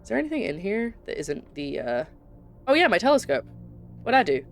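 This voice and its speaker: A woman's voice: mid-range voice, big pitch swings, a little fast, gravelly, faint music behind. A young Scottish woman chatting casually while streaming a puzzle game, rambling and breaking off mid-thought. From Scotland. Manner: chatty, rambling, with frequent self-interruptions.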